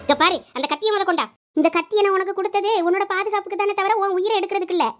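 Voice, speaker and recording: A woman's voice: extremely high pitch, steady tone, very fast, faint music behind. A woman voicing an older female servant in a cartoon, firm and reassuring, with a Thoothukudi Tamil accent.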